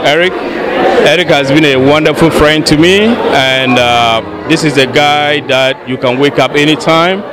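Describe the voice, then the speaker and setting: A man with a Ghanaian accent giving earnest, deliberately phrased answers in an on-location interview. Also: fairly high pitch, very noisy. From Yendi, Ghana. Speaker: interviewed supporter and friend. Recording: music behind.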